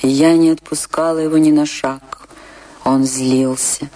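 A woman's voice: sits low, fairly even intonation, unhurried, dark tone. An actress playing a passionate, lovestruck female dancer remembering her poet husband in a theatrical radio-play monologue. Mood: reflective. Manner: theatrical, lingering, rapturous delivery. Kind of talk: dramatic first-person monologue in a radio play.

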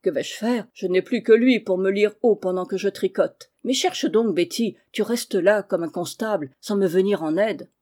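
A woman reading aloud, voicing a miserly, sharp-tongued old cousin who scolds her servant. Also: mid-range voice, moderate pace, hardly any pauses, close to an everyday voice. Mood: scolding. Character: shrill miserly old cousin, harsh mistress.

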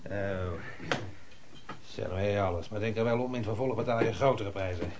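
An actor playing a busy, benevolent brassware shopkeeper in a radio play, brisk and muttering but kind. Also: male voice, fairly low pitch, natural voice. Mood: busy, kindly. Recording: noisy old radio play recording.

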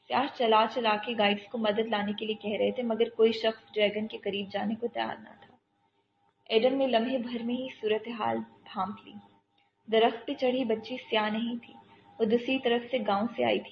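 A woman narrating a novel in a measured storytelling voice, on dull lo-fi audio with faint hiss. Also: on the high side.

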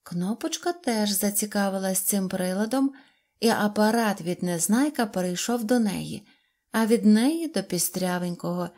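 A woman narrating a children's tale in an even, clear storytelling voice. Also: medium pitch, normal speed.

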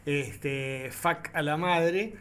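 A man's voice: on the high side, drawn-out words, a bit bright, slight background noise. A man with an Argentine accent hosting a radio interview, hesitant and heavy with fillers. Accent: Argentine Spanish. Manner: hesitant, full of "este" fillers. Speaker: radio host. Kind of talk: casual interview chat.

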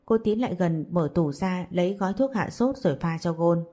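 Woman reading a story, steady even delivery, low mellow voice. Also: normal speed. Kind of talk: scripted narration.

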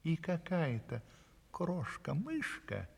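A man narrating a fairy tale in a vintage audio play, addressing listeners intimately and dropping to a hush for suspense. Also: a little high, huge pitch swings, slow, vocal fry, husky, long reverb tail.

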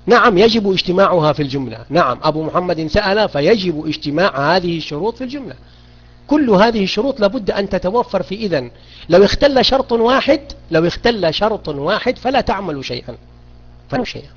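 A man's voice: sits high, expressive, fast, breathy edge. A man teaching a beginners' grammar lesson online, questioning students and repeating key points. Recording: dull lo-fi audio.

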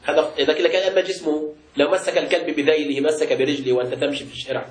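شيخ سريع الكلام بلهجة مصرية في قاعة درس. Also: male voice, a little high, fairly even intonation, very fast, reverberant. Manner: explains by asking the class and answering himself. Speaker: sheikh teaching a book class. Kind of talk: classroom lecture with questions.

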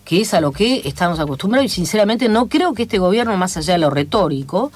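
A woman from Chile with a Chilean Spanish accent, a guest in a radio studio interview, talking in a measured, lecturing way full of fillers. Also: mid-range voice, very animated, a little mellow. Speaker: guest, academic commentator. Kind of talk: radio interview, analytical talk.

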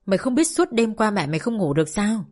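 A woman reading an audiobook, voicing an older father who speaks softly and sadly to his daughter. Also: mid-range voice, very animated, quick pace, soft background music. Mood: sorrowful. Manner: soft, pleading, sighing. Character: gentle sorrowful father, older man.

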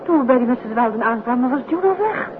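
An actress playing a detective's inquisitive, direct wife in a 1950s Dutch radio play, with a Netherlands accent. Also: female voice, a little high, animated, fast, close to an everyday voice. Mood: curious, insistent. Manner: questioning, direct. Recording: tinny, noisy 1950s radio recording.

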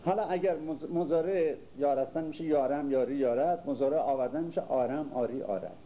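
An older literature teacher lectures on classical poetry, reciting verses, explaining them casually, and quizzing listeners along the way. His voice is fairly high and warm. The recording is muffled, with faint background noise.

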